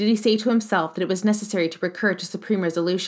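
A natural voice is reading aloud.

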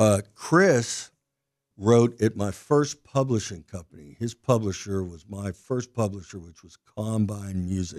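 A man with a fairly low pitch and an ordinary speaking voice talks at a fairly slow pace with ordinary pitch variation. His loudness swings widely, in a very clean recording with a silent background. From Ohio. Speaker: country songwriter. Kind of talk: interview storytelling.

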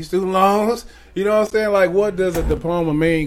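A man talks at a fairly quick pace, his voice carrying audible room echo. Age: 30s. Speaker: podcast host. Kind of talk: casual chat. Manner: animated.

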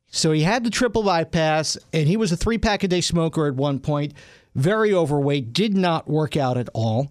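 In an ordinary speaking voice, fairly high in pitch, a man talks at a moderate pace with lively intonation, on a very clean recording with a silent background. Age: 40s. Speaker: fitness podcast host. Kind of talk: solo podcast monologue. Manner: conversational.

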